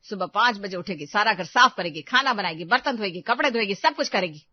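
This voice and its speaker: Here the same kind of role, a domineering middle-aged mother-in-law in a Hindi cartoon story, is voiced by a woman who scolds and barks commands. She speaks at a medium pitch, animated and fairly quick, in a near-everyday voice; the recording is muffled but free of echo.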